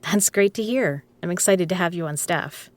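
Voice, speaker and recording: A woman's voice: fairly low pitch, moderate pace, slight background noise, close to an everyday voice. A woman playing a tough, teasing poker club owner with a dry, casual manner in an audio drama. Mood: reassuring, candid. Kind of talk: scripted audio roleplay spoken to the listener.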